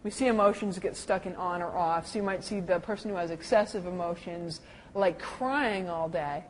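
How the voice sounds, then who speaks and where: A middle-aged woman teaching a lecture to caregivers on dementia care, talking lively and acting out the people she quotes. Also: moderate pace, slight background noise, poor audio. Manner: lively, acts out quoted people with big pitch jumps.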